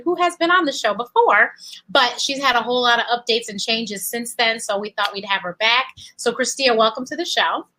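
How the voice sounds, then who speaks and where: Bright-voiced woman hosting a talk show. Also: a little high, poor audio. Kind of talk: upbeat interview hosting.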